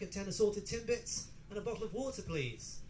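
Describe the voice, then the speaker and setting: A man with a British accent is heard in a room with audible echo and noticeable background noise. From United Kingdom. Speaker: singer-songwriter. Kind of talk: stand-up. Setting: stage with audience.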